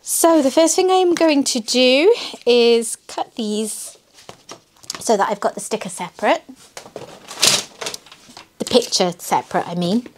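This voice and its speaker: Slightly husky British woman, noisy recording. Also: fairly high pitch, measured pace, pauses often. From United Kingdom. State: slight cough. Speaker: craft channel host. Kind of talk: casual chat while crafting. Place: indoors at a wooden table. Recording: clear background noise, handling crinkles. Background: crinkling and clicks of craft materials.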